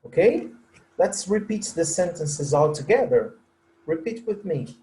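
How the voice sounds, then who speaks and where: Slow-paced Brazilian English teacher. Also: male voice, fairly high pitch, sing-song, mellow, slight background noise, low-quality recording. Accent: Brazilian Portuguese. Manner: explains in Portuguese, models English sentences slowly; friendly, checks in with "tá?" and "guys". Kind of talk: recorded language lesson.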